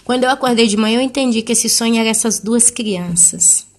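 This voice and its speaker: A woman's voice: a little high, a little fast. A woman in her thirties or forties tells a personal testimony to her congregation, telling the story vividly. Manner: animated, acting out the people she quotes. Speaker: church speaker giving a testimony.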